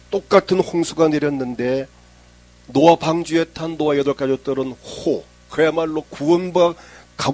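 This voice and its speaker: Korean pastor preaching with dramatic swings. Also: male voice. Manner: storytelling preacher acting out the characters' lines; dynamic delivery swinging between loud emphasis and low, hushed phrases. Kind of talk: sermon.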